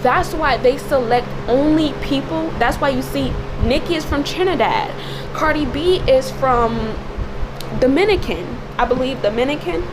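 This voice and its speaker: A woman with a slightly raspy, cracking voice giving informal, preachy commentary in an emphatic, repetitive way as a video creator. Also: sits high, moderate pace, background noise. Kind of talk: informal spoken commentary with religious exhortation.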